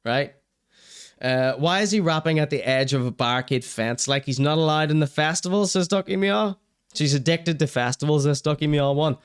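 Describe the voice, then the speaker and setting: A man's voice: on the high side, clean tone. A young man with a Northern Irish accent hosting a live stream, reading chat comments and giving blunt, wry opinions. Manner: wry, blunt, swears casually, laughs at his own jokes. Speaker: show host.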